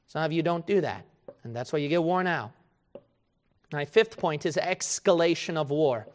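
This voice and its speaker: A man's voice: on the high side, animated, moderate pace. A man preaching a sermon, emphatic and confrontational, firing rhetorical questions and acting out his listeners' excuses. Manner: acts out imagined excuses in quoted voices.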